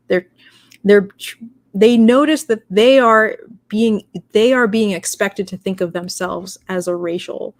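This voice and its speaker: A young woman in casual discussion, talking in a rambling way with many fillers and restarts. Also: medium pitch.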